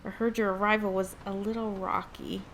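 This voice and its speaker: A woman's voice: medium pitch, flat delivery, fairly quick, a little hiss or hum, natural voice, poor audio. A woman playing a welcoming but worried middle-aged mayor in an audio drama, speaking in a courteous, direct, articulate way.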